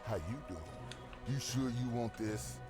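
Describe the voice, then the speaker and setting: An actor playing a booming, defiant gladiator, a cocky and boastful video game fighter. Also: male voice, a little slow, lightly acted. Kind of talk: video game character voice lines. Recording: game audio under loud music.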